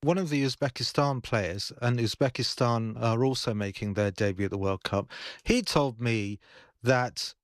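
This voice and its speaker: A man interviewing for a sports broadcast, asking measured, direct questions. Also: mid-range voice, no echo.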